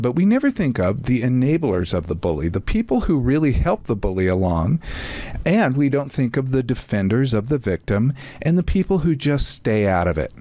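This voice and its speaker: A man's voice: medium pitch, mellow, dry recording. A man hosting a psychology talk show, explaining research in a chatty, self-deprecating way with asides to his co-hosts. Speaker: podcast host, psychologist. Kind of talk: casual explanatory chat.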